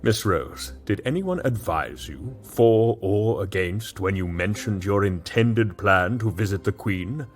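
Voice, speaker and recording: An actor playing a flustered but kindly baron who stammers, then gently reassures. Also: male voice, lowish voice, a little slow, few pauses, faint music behind. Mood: flustered concerned. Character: flustered middle-aged male baron, kindly advisor. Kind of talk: audio drama acting.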